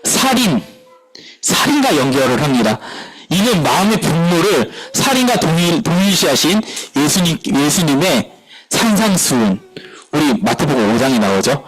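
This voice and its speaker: A male pastor preaches a sermon at a church service, animated, asking the congregation questions and answering them himself. His voice is a little high and husky, and the recording is rough.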